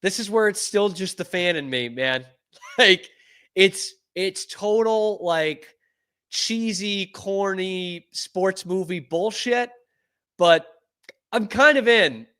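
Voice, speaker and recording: A man from New England hosting a sports show, talking casually and getting excitable and profane. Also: high-pitched, slow, clear, resonant tone.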